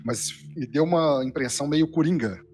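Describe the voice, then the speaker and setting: A man's voice: a little high, moderate pace, darkish tone. A Brazilian man making casual comments as a panelist in a review chat. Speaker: panelist on a reaction show. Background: music.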